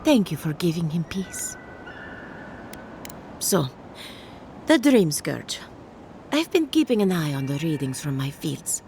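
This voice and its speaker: An actress playing a solemn, caring woman scholar who tends a farm, speaking in a measured, gently formal way. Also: deep voice, sing-song, a little hiss or hum, full character voice. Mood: gentle, mournful. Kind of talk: video game character dialogue.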